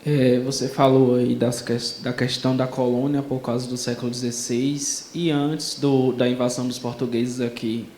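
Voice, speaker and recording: Male attendee, flat even delivery, slow question, echoey room with faint noise. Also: mid-range voice. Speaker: class participant. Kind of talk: question from the class.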